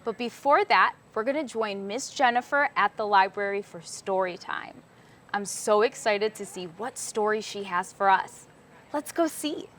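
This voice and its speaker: Bright, slow-talking woman hosting for kids. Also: medium pitch, slight background noise. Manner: encouraging, simple instructions as to young children. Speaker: children's show host. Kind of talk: scripted children's show presenting, teaching signs.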